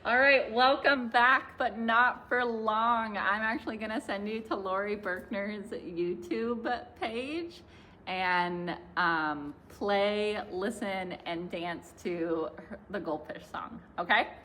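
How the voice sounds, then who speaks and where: A young woman librarian talks slowly and cheerfully to small children, drawing out her words in a sing-song lilt. Her voice is bright and forward. A faint hiss of room noise sits under the recording. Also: mid-range voice. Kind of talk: children's class video, reading and singing.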